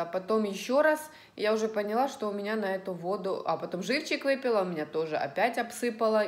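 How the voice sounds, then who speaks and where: A middle-aged woman vlogger chatting casually and ramblingly to her viewers about everyday things while eating at home. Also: mid-range voice. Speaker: lifestyle vlogger. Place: indoors at home in an echoey room. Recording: roomy, echoing indoor sound.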